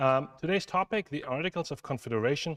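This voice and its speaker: A man with a German accent speaks with lively intonation on a very clean recording with a silent background. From Germany. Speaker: history professor. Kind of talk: lecture.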